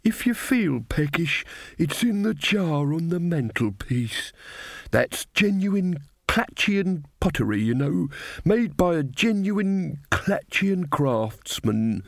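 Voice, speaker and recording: A man's voice: fairly high pitch, very animated, slow pace, creaky, no echo, voice pushed up, heavily acted. A man voicing a mild, cheerful old fairy godmother woman who chats and rambles. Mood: mild, chatty.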